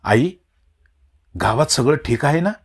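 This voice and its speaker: A man's voice: medium pitch, expressive, unhurried, slightly rough, voice pushed up. A male narrator voicing a grown son home from the city, blunt and defiant with his mother. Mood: probing. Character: grown son back from the city, restless and resentful.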